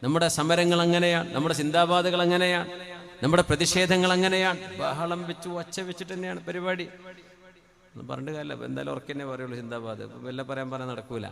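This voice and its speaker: A man preaching a sermon into a microphone. He moves between quiet conversational asides and loud, drawn-out chanted passages. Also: on the high side, fairly even intonation, vocal fry. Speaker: Islamic preacher.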